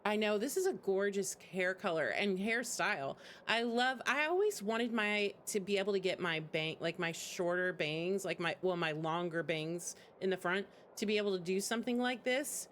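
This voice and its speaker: A woman's voice: medium pitch, normal speed, few pauses, a bit bright, slight background noise. A woman chatting casually and informally as she plays a game, rambling a little as she goes. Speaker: game streamer. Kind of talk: casual chat over gameplay. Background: faint game music and dialogue.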